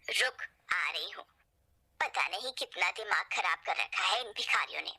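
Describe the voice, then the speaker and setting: A woman's voice: mid-range voice, animated, moderate pace, pushed and bright, husky, voice pushed down, full character voice. A woman voicing a harsh, sneering middle-aged mother-in-law in a spoken storybook tale. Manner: sneering, contemptuous.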